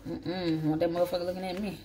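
A woman's voice: on the low side, little pitch movement, fast talker, warm tone. A woman with a Southern African American accent chats casually and folksily, thinking aloud as she cooks in a home kitchen. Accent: Southern African American English. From southern United States. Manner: folksy, salty, thinking aloud while working. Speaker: home cook. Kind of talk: casual cooking vlog chat. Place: home kitchen, indoors at the counter. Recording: noisy home recording with clicks.

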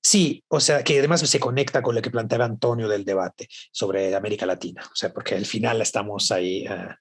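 Husky Italian-born man lecturing on video call. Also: lowish voice, a little fast. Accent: Mexican Spanish over an Italian base. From Italy. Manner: animated, gestures a lot, many fillers and restarts. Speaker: invited lecturer. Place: home study with bookshelves. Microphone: webcam on a video call.

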